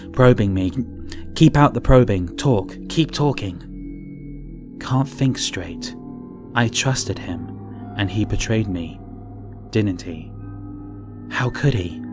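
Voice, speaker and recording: A man reading an audiobook, voicing a frightened, trapped woman journalist who mutters urgently, swinging between loud outbursts and whispers. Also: lowish voice, lightly acted. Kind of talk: first-person audiobook reading.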